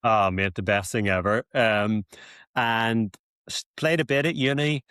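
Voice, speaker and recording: A man's voice: on the low side, fairly even intonation, a little slow, a bit bright, clear, resonant tone, dry recording, clean studio sound. A man, chatting as a coaching client, hesitant with many ums and restarts. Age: 30s. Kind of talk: casual chat on a call.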